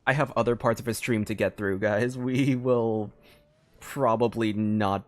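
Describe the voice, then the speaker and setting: A man's voice: on the low side, steady tone, a little slow. A man giving casual live commentary as a game streamer, thinking aloud in a hesitant way.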